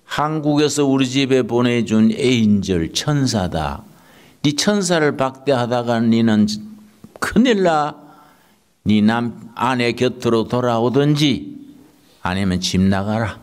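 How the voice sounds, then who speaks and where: Preacher guy doing an old mother-in-law, low and quiet, slow, throws in english words. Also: animated. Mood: stern. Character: elderly American mother-in-law, tender and approving.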